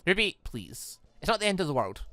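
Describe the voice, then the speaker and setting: A man voicing a calm, devoted young gentleman from a visual novel, gentle, earnest and reassuring. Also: high-pitched, a little fast, no room sound, soft background music, full character voice.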